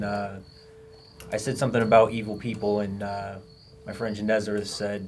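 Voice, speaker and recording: The speech comes at a fairly quick pace in a monotone, flat delivery, with faint music in the background. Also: man. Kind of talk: casual group discussion. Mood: reflective, thoughtful. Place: garden. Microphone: camera far.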